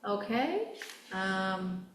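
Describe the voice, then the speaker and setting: A woman's voice: medium pitch, big pitch swings, very slow, a bit bright, distant mic, a little hiss or hum. Woman committee chair, informal, hesitant, off-mic echoey video-call sound. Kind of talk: chairing a meeting.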